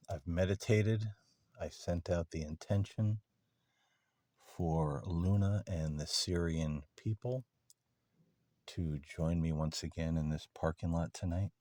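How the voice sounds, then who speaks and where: A man talking casually and unscripted to camera as a paranormal vlog host, with a halting delivery that pauses mid-sentence. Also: deep voice, a little mellow, no echo. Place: parking lot at night.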